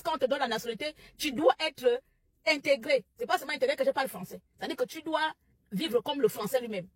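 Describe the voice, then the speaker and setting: Indignant Gabonese woman with husky voice. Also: high-pitched, no room sound. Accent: Gabonese French. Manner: indignant, rising to loud rhetorical outbursts. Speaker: commentary vlogger. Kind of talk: impassioned opinion monologue.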